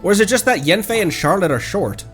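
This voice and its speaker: A man's voice: sits high, very animated, fast talker. A man live-streaming casual game commentary in a giggly, gushing way. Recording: game music faintly behind. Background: video game music.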